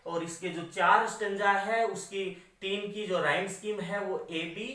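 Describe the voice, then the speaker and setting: Teacher talking through repeated questions, echoey room. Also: male voice, high voice, steady tone, measured pace, bright, forceful tone, distant mic. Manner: asks himself questions and answers them, repeats points; says "that is to say" after nearly every phrase. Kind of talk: classroom lecture explaining poetry. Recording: echoey room, voice away from the mic.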